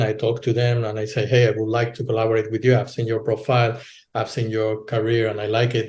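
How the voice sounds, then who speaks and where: A man's voice: medium pitch, a little mellow. Male guest, hesitant with frequent restarts, recorded in a roomy space. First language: Spanish. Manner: halting, many repeated words and restarts. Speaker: guest, localization business owner. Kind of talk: casual interview talk. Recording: roomy echo.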